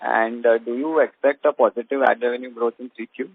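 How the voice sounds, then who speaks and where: A man's voice: medium pitch, steady tone, brisk, creaky, dry recording. A man with an Indian accent, an analyst calling in to ask questions on an earnings call. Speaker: analyst caller. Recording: dry tinny phone line.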